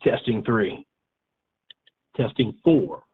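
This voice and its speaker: A man's voice: lowish voice, animated, takes it slowly, slightly rough. A man hosting a live stream calls in on his phone's speakerphone and counts off a casual mic check. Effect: speakerphone on a cell phone. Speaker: livestream host. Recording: tinny speakerphone phone line.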